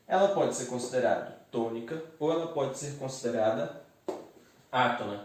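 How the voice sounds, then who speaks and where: A male teacher explaining a grammar lesson step by step and often checking in with his students. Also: medium pitch. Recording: echoey room, mic set far off.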